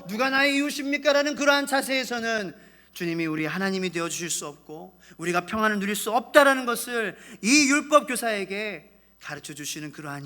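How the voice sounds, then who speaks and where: A man's voice: high voice, pushed and bright. A male pastor delivering a sermon with emphatic, repetitive preaching and acted quotes. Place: church sanctuary. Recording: long church hall reverb.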